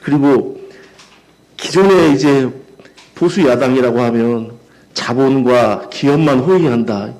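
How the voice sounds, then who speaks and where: A man speaks at a seminar as a union official, earnest and plainspoken. His voice sits at an ordinary middle pitch, and he mixes formal thanks with frank personal remarks. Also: slow, darkish tone, poor audio. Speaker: labor union official presenting. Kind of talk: formal speech with personal asides. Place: seminar hall.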